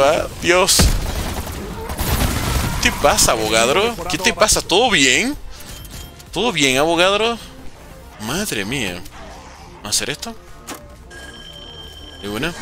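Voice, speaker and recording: A young Venezuelan man with a Venezuelan accent, chatting casually and joking with viewers while streaming a zombie game. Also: on the high side. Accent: Venezuelan Spanish. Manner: chatty, joking, reads and answers viewer chat. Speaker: gaming streamer. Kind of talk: casual live commentary while playing. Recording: game music underneath.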